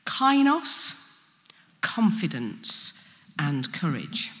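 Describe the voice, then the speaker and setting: A woman preaches in an East Midlands accent with distinctly flat vowels. Her delivery is unhurried and lively in pitch, explaining each point and leaning on key words. The sound carries a long hall reverb. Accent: East Midlands English, Leicestershire. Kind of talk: sermon.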